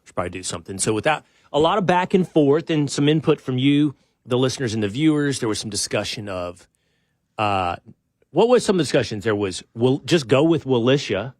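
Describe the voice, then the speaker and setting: A middle-aged man hosting a show, talking in a relaxed, rambling way with lots of restarts and joking asides. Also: mid-range voice, a little fast, no room sound, clean studio sound. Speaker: podcast host. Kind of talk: casual show-opening chat.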